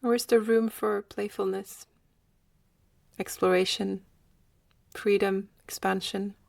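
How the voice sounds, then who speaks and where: Woman guiding meditation, creaky close dry voice. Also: medium pitch, flat delivery, no echo. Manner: slow, gentle, with long pauses. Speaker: meditation guide. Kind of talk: guided meditation.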